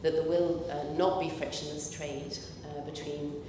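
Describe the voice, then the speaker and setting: A woman in an audience asking a measured question, with frequent pauses to say "um". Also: flat delivery. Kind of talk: question from the floor. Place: lecture hall audience. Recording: roomy hall mic with low rumble.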